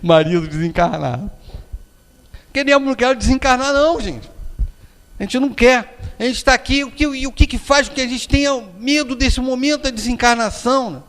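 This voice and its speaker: Brazilian male lecturer, high voice, animated storyteller, echoing hall. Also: brisk. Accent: Brazilian Portuguese. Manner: storytelling, acts out quoted voices, frequent tag questions. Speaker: spiritist lecturer. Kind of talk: public lecture with anecdotes. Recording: long hall reverb.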